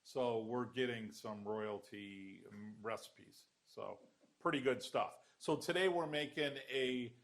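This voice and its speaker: A man's voice: mid-range voice, slow, fairly bright tone. A man hosting a casual cooking show in a kitchen, chatting and teasing his guest. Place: home-style kitchen.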